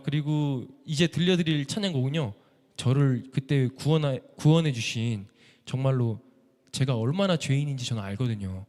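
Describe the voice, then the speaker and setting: A man giving an emotional church testimony as a missionary violinist, telling his story with animated feeling. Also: on the high side. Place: church sanctuary. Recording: echoey church hall.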